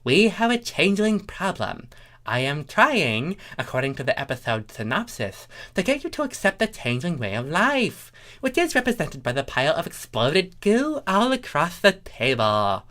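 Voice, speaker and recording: Woman doing an earnest male creature, raised pitch, emphatic, pleading, animated, comic fantasy storybook. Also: normal speed. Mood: exasperated. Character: earnest male changeling, peace-making, exasperated debater.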